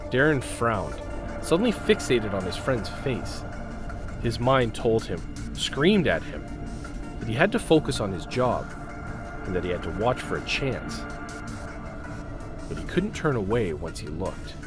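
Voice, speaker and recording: Male narrator, lowish pitch, very animated, suspenseful scripted storytelling, phrase-by-phrase intensity, music underneath. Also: unhurried, long pauses.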